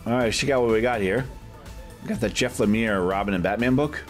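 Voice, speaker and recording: Speaking a little fast with a fairly low voice, a man gives an informal shop tour with loud music behind him. He's a video host and comic collector filming with a handheld camera in a packed, medium-sized shop, and his chatty remarks often end in tacked-on questions.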